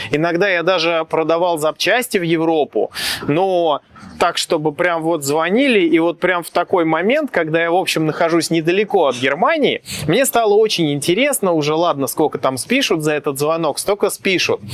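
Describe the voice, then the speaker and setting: A man speaks with a high pitch, ordinary pitch variation and very even loudness at a moderate pace. The sound is dry and close, with no echo. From Russia. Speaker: motorcycle mechanic and video blogger. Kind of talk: personal storytelling monologue. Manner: casual, with hesitations.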